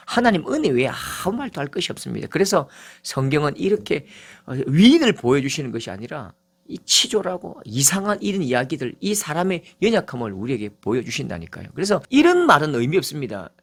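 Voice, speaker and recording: A middle-aged male pastor delivering a sermon, with emphatic rises and low, quiet asides.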